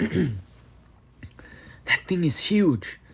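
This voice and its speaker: A man's raspy, put-on character voice. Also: fairly high pitch for a man. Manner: hissed, low whisper.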